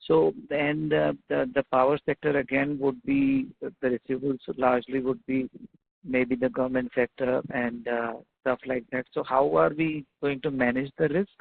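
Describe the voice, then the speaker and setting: A man with an Indian accent, an analyst calling in to ask questions on an earnings call, speaking haltingly. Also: medium pitch, flat delivery, creaky, slight background noise. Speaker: analyst caller. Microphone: phone call. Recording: narrow phone-line sound.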